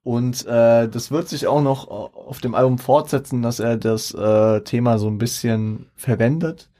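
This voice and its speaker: A man co-hosting a casual music discussion in a hesitant, halting way, choosing his words carefully. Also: medium pitch, dark tone. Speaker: co-host of a German rap album review.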